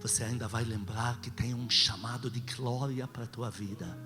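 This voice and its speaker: With a mid-range voice, a steady, sharp tone and normal speed, this pastor, who has a Brazilian accent, exhorts his congregation and poses rhetorical questions. It's an emphatic call-and-response sermon, recorded with long hall reverb and music in the background.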